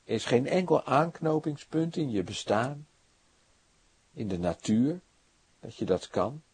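A man preaching who speaks the lines of a calm, gentle, authoritative male savior in a reassuring and quietly commanding tone. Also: mid-range voice, a little slow, husky, exaggerated voice.

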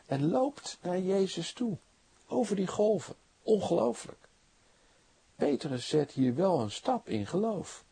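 A man preaching a sermon, retelling the story dramatically and moving between soft, low passages and emphatic high ones. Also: slightly rough.

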